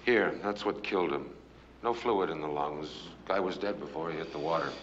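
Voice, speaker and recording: A coroner who reports in a clinical, matter-of-fact way. His voice is very low, and the sound is dull with faint noise behind it. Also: normal speed. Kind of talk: 1970s TV drama acting.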